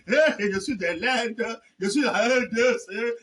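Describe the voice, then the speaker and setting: A man preaching a fervent sermon, often shouting and repeating refrains between phrases. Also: extremely high pitch, a little slow, distant mic. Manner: shouting, repeating "eh ben" and "amen".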